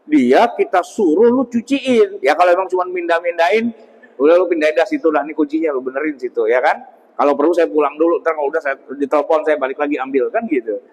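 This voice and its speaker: A man's voice: fairly high pitch, fast talker, darkish tone. A man, an Islamic scholar explaining in a casual talk, asking rhetorical questions and acting out little dialogues. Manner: rhetorical questions, keeps addressing the host. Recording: long hall reverb.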